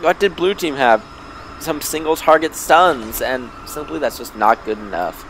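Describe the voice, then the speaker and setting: Excitable young man casting a game. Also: fairly high pitch, unhurried, a little hiss or hum. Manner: excitable, rising to loud bursts in fights. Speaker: amateur game caster. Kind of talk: esports play-by-play commentary.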